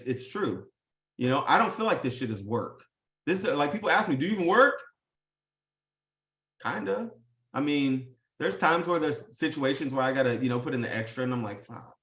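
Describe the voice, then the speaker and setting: A fired-up man talks over a video call, loose and profane, calling everyone dude and bro. His voice sits a bit high for a man. The room around him is echoey and bare. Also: a bit bright. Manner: hyped, profane, full of slang and fillers. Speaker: host. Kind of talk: casual motivational talk on a live video call.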